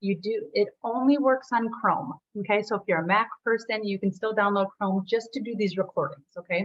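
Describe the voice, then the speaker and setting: At a fairly quick pace, a woman talks at medium pitch with ordinary pitch variation. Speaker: guest speaker, business coach. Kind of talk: tutorial. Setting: video call. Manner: fast.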